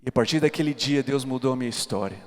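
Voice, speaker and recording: In a big church hall full of echo, a man preaches a sermon testimony at a church congress, addressing the congregation with earnest emphasis. He talks fast, in a medium-pitched voice.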